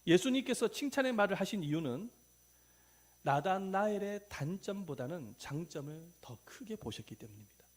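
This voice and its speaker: A male pastor delivers a sermon with a fairly high, very animated voice that climbs and dips. He calls the congregation to read scripture together, then drops to quiet, conversational remarks. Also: normal speed. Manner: leads congregation in scripture reading, swinging between loud and hushed; acts out quoted dialogue in plain, conversational speech.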